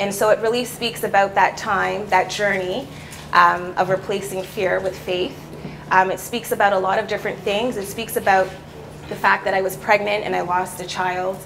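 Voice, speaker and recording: A woman's medium-pitched, monotone voice with flat intonation at a moderate pace, over noticeable background noise. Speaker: life coach and author; life coach. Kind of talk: interview. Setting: stage with audience. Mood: warm, reflective. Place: studio.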